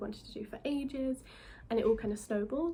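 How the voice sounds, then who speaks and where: A woman with vocal fry and a dark, mellow tone speaks at a very fast pace. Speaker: knitting podcaster. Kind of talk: casual monologue podcast. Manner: halting, many pauses and filler; stutters.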